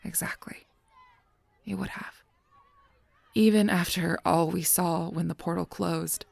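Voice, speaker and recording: An actor playing a solemn, protective guardian angel in an audio drama, speaking gravely and formally with a husky voice. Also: medium pitch, fairly even intonation, no room sound. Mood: grave, regretful. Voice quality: husky, breathy, creaky voice. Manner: grave, measured, formal speech. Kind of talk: scripted audio roleplay acting.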